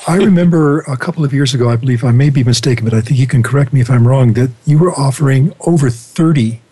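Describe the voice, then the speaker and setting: A man's voice: mid-range voice, fast talker, mellow, breathy edge. A man hosting an interview, asking long, rambling questions that often correct themselves partway through. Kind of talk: conversational interview.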